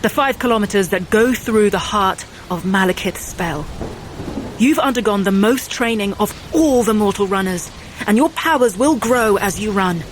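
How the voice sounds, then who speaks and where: Actress as stern warrior woman over faint rumble. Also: moderate pace, lightly acted. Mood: rousing, commanding. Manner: authoritative, solemn, rousing. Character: stern, commanding Asgardian warrior woman, grave and urgent. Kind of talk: audio drama acting.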